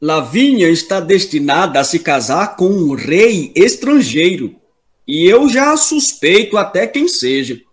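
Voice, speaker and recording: Man playing a slow, swooping, solemn king. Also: high voice, very animated. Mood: ominous. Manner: solemn, theatrical. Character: grave, weary king, husband and father. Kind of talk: comic audio drama acting.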